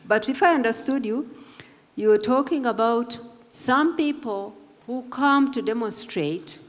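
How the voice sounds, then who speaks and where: A woman with an African accent giving a public talk, explaining emphatically and repeating phrases for stress. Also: medium pitch. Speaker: panel speaker. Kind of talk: public talk answering an audience question. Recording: reverberant hall.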